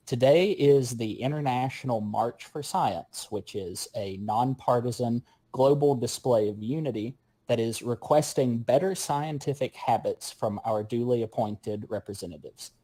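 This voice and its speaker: A man from a show's cast giving a prepared announcement in formal, measured wording. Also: medium pitch, dark tone, poor audio. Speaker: show cast member.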